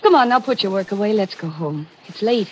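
A woman playing a concerned, soothing wife in a 1940s radio drama, gently coaxing. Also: medium pitch, animated, a little fast, lightly acted. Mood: gentle concern. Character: concerned, soothing wife coaxing her brooding husband home. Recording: noisy vintage radio recording.

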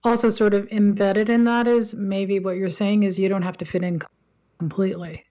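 A woman hosts an interview and asks gentle, open questions. Her delivery stays flat and even, with little rise and fall. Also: mid-range voice, moderate pace, lo-fi sound. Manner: gentle, affirming listener. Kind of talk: conversational interview.

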